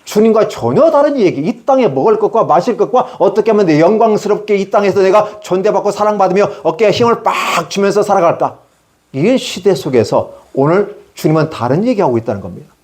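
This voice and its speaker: A man's voice: high-pitched, fairly quick. A middle-aged male preacher giving a sermon at a prayer retreat, telling stories and often putting questions to the congregation. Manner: lively storytelling, asks the congregation questions.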